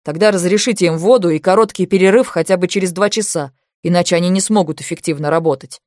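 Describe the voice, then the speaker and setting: A woman reading as a level-headed young man who talks steadily and reassuringly. The voice is low for a woman and recorded dry and close. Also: fast, no room sound, close to an everyday voice. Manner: steady, reassuring, matter-of-fact. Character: calm young man, tall and thin, quick-witted interpreter.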